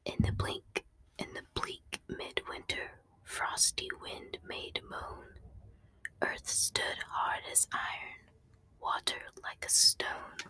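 A woman hosting an ASMR channel, reading poems in a soft, unhurried whisper and occasionally stumbling over words.

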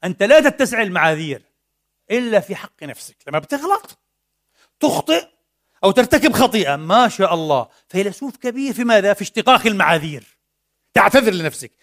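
A man preaching a mosque sermon, animated, firing rhetorical questions and swinging between loud and soft. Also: sits high, fast talker. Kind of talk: Friday sermon.

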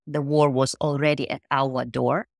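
A woman's voice: rumbling low, little pitch movement, normal speed, dry recording, studio quality. A woman in her thirties from Ukraine, speaking English with a Ukrainian accent, telling her story thoughtfully in an interview, with many "you know"s. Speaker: podcast guest, mindfulness coach. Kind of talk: casual interview talk.

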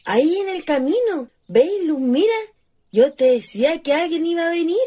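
A woman's voice: very high voice, animated, moderate pace, dark tone. An actress playing a young rural Chilean ghost girl in a radio play, wistful and cheeky, with a dreamy girlish manner. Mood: excited. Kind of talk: radio theatre acting.

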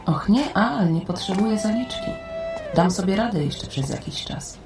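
An actress playing a worried, quietly resentful young wife in an audio drama, brooding in an echoing inner monologue. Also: female voice, mid-range voice, expressive, moderate pace, over music, lightly acted. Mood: bitter, exasperated.

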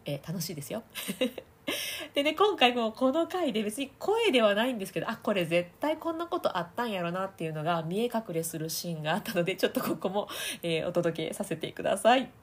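A woman hosts a casual voice-training podcast. Her voice is breathy and a touch husky, with a lively, swinging pitch. She chats freely, laughs often and slips into demonstration voices. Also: fast. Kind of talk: casual audio podcast talk.

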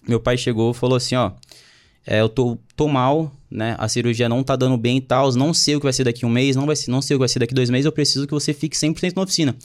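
A young man in his twenties tells his own story in a relaxed, slangy way and keeps quoting other people's words. He talks quickly at a middle pitch. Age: 20s. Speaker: guest telling his story. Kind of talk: casual chat.

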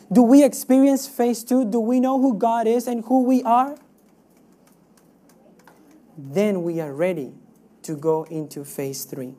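A woman's voice: medium pitch, warm tone. A woman from Cuba preaching a sermon in an emphatic, teaching way, with rhetorical questions and repeated phrases.

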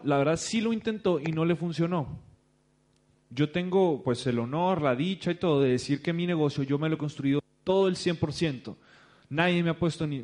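A man with a Mexican accent gives a business talk to an audience, telling a story and acting out the people in it. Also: mid-range voice. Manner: animated, acts out the people he quotes. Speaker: business speaker.

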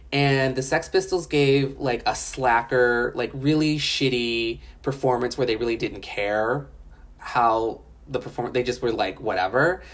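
A woman in Los Angeles with an extremely low voice gives a casual, chatty spoken review of a documentary. She is frank and often profane, with lots of fillers.

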